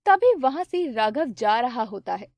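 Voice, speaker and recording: A woman narrating a cartoon story in a steady, plain storybook way. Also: a little high, a little slow, no echo.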